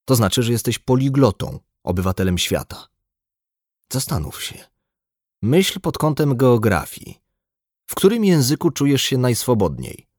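A man voicing a blunt, embittered, drunk male doctor in an audiobook, gruff and lecturing. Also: medium pitch, big pitch swings, unhurried, darkish tone, dry recording, clean studio sound, voice pushed up. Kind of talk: audiobook dialogue.

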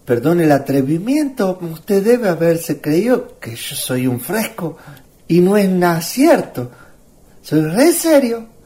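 A woman acts out an earnest young Chilean suitor from the countryside for radio theatre. The voice is soft-edged and slow, with big swings in melody. The manner is courteous and apologetic. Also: fairly low pitch, big pitch swings. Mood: bashful, earnest. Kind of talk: radio drama acting.

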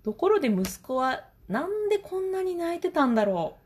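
Woman, 30s, mother-of-two diary chat, chatty with frequent laughs, very animated pitch. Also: moderate pace. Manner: chatty, laughs often, acts out quotes. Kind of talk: casual spoken diary.

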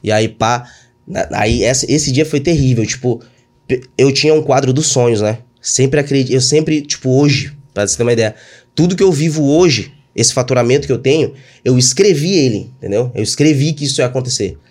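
A man with a Brazilian accent, a guest in an interview, telling a personal story in an animated way with lots of fillers. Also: medium pitch, fairly quick.

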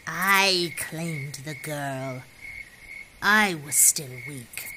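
A woman's voice: low voice, extremely slow, background noise. A woman playing a resentful, haughty carnival witch in an audio drama, speaking with bitterness. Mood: bitter.

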